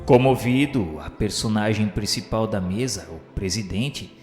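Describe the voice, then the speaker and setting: A man's voice: on the low side, measured pace. A Brazilian man giving a solemn, emphatic and theatrical narration of a literary radio drama. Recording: echoey reverberant hall sound with music. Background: music.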